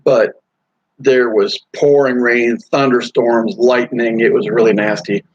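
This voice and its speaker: A man's voice: medium pitch, steady tone, measured pace, slightly rough, no echo. A middle-aged man chatting casually on a live stream, rambling with lots of fillers and restarts. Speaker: motorcycle vlogger live streaming. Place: hotel or rest stop while traveling. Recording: dull lo-fi dry sound.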